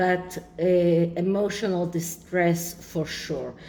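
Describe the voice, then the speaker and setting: At a very slow pace, a woman with a fairly low pitch speaks amid audible room echo. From Israel. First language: Hebrew. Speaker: tarot reader. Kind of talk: tarot reading. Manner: halting, many filler sounds.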